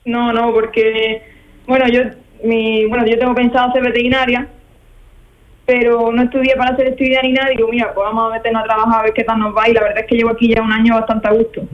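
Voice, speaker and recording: A woman's voice: on the high side, monotone, fast talker. A woman in her twenties on a phone call, talking over speakerphone and giving plain, matter-of-fact answers. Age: 20s. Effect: on speakerphone over a phone line. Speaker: caller. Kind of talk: phone interview from her workplace. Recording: distant, dull phone line.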